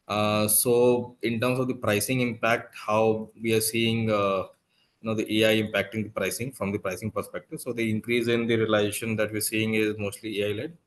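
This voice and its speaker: A man with an Indian accent asking questions as an analyst on a conference call, in halting, meandering phrasing. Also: lowish voice, flat delivery. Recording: noisy conference call line.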